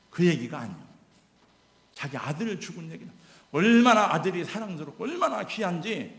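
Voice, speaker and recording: A male pastor delivering an emotional, exhorting sermon. His voice sits high for a man and is gravelly. It echoes through a roomy church sanctuary.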